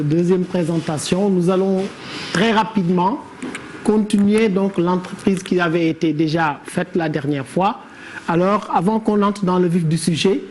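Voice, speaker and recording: A woman's voice: lowish voice, darkish tone, slight background noise. A woman teaching a classroom lesson on verse. She explains step by step and calls on pupils by name. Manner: didactic, questions pupils by name.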